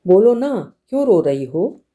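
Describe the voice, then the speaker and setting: Woman reading a young bridegroom, gentle, pleading, soft coaxing questions, dark mellow tone, audiobook. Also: fairly low pitch, moderate pace, natural voice.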